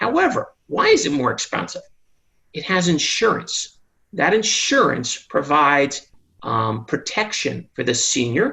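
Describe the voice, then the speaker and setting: Using very wide pitch swings, a man speaks with vocal fry. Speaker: reverse mortgage loan specialist. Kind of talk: training presentation. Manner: fast.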